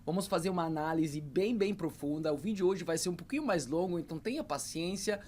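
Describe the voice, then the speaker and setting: A man's voice: fairly high pitch, fairly quick, darkish tone, a little hiss or hum. Hesitant man explaining to camera. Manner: hesitant, with frequent fillers and repeated words. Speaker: founder and English teacher. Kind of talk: talking to camera about learning English.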